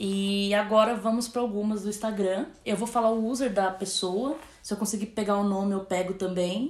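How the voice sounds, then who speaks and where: A woman speaks at a moderate pace and medium pitch with fairly even intonation, hardly any pauses, and audible room echo. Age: 20s. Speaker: podcast co-host. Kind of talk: casual chat. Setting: recording in the same room at home.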